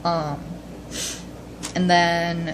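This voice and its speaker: A woman with an American accent mumbles at a fairly low pitch. Room echo is audible, and there is noticeable background noise. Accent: slight northern-sounding. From US South. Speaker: fan fiction writer and vlogger. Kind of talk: casual vlog. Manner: fast; mumbling.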